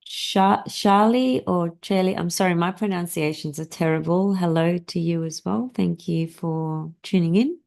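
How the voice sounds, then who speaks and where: A woman's voice: lowish voice, a little slow, creaky, few pauses, a little mellow. A woman whose first language is Greek, hosting a casual astrology live stream and talking to her viewers in a rambling way, with many fillers and restarts.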